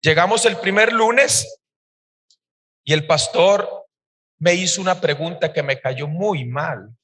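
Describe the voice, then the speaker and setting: A male pastor tells his own testimony in a sermon, in an animated, emphatic storytelling manner. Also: fairly high pitch, slow pace. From Costa Rica. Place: church service hall. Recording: reverberant church hall.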